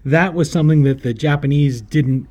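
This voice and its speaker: A man's voice: on the high side, normal speed. A man co-hosting a podcast in casual chat, telling stories with animation and acting out the quotes. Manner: animated storyteller who acts out quotes. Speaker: podcast co-host.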